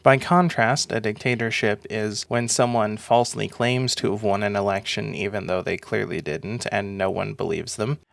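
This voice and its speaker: A young man with a sore throat delivers a sarcastic monologue, swearing now and then. His voice sits low and rasps with vocal fry. The sound is dry and close, with no room echo. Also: steady tone, moderate pace, few pauses. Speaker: video essay host.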